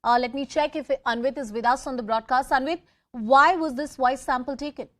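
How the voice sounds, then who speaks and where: A woman news anchor with an Indian English accent, presenting live news in an emphatic, deliberate way. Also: high voice, fairly bright tone.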